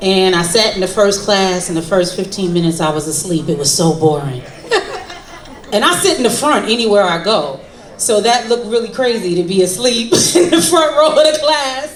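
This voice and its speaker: Over noticeable background noise and audible room echo, a woman speaks at a moderate pace with a medium pitch and very wide pitch swings. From New York, Queens. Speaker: radio host and voice actor. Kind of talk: interview.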